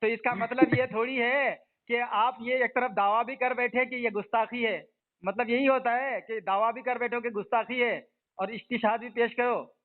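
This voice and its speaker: A man's voice: extremely high pitch, steady tone, normal speed. A man leading a heated religious debate, pressing his opponent with repeated questions and interruptions. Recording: tinny phone-line audio.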